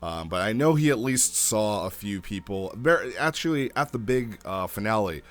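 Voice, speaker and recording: A man giving casual, unscripted commentary as a review host, talking in a rambling, animated way. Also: fairly low pitch, moderate pace. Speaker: host reviewing a text role-play log.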